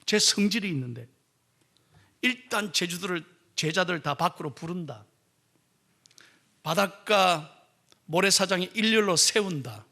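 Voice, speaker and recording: A man's voice: sits high, animated, a little slow, long pauses, pushed and bright. A man preaching a sermon as pastor, emphatic, leading the congregation in reading aloud.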